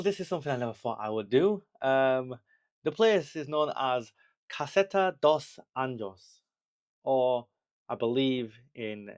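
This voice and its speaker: A man's voice: mid-range voice, a little mellow. A young man talking casually to camera in a travel vlog, chatty and rambling, with laughs and restarts, reassuring the viewer. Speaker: travel vlogger.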